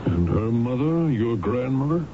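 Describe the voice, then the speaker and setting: An actor in a radio drama playing a polite, persistent lawyer with a measured, questioning manner. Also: male voice, mid-range voice, very animated. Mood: courteous, probing. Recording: tinny, noisy 1970s radio broadcast.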